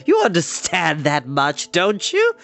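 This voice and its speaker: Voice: medium pitch, wildly swooping pitch, slow, vocal fry, fairly bright tone, voice pushed up, exaggerated voice. A chirpy, scatterbrained enchantress, as a reader puts her on. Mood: cheerily menacing. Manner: chirpy, indulgent, sing-song. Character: cheerful, scatterbrained, plump female enchantress. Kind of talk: audiobook reading.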